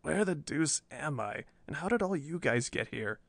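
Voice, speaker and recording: A man voicing a feeble, dazed older man who talks slowly and weakly. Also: on the high side, animated, creaky, no room sound. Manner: feeble and slow.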